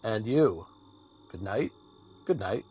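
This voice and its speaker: A man's voice: fairly low pitch, lively intonation, takes it slowly, darkish tone, breathy edge, full character voice. A man acting a watchful, sturdy soldier on night guard in a Shakespearean audio drama.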